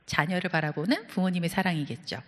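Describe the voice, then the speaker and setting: A woman pastor with a fairly low voice preaches a sermon quickly, her words carrying church hall reverb. She tells stories and asks the congregation questions.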